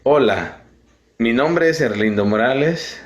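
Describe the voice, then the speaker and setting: A young man from Guatemala with a Guatemalan Spanish accent, giving a slow, earnest prepared video statement. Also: medium pitch, lively intonation, lo-fi sound. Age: young adult. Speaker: video speaker.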